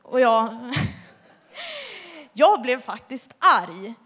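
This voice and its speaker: A woman's voice: high voice, husky. Chatty young woman in reverberant church. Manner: lively, chatty, laughs often. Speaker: youth leader giving a testimony. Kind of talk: church testimony. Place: church hall.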